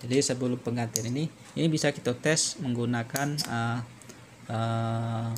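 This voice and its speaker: A man presenting an unscripted step-by-step repair tutorial, halting and repetitive as he explains. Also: mid-range voice, flat delivery, a little hiss or hum.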